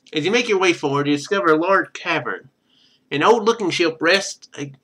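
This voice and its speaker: Guy streaming a game, kinda high bright voice, talking to himself casually. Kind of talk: casual game commentary, thinking aloud.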